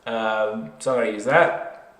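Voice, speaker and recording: Slow-paced man tutoring, roomy echo. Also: lowish voice, steady tone, fairly bright tone. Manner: informal, self-correcting, thinking aloud. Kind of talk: worked chemistry problem lesson, explained step by step. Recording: roomy, echoey sound.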